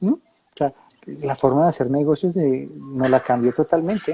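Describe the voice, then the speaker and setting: Dry, close sound with no echo, a fairly slow pace and ordinary pitch variation. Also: man. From Colombia. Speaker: coach and mentor. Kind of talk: interview conversation. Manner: animated.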